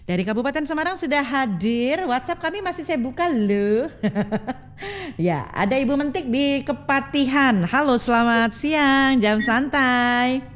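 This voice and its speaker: A woman's voice: high voice, animated, a little slow. A woman hosting a live call-in radio show, talkative and friendly, slipping in phrases. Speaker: radio host.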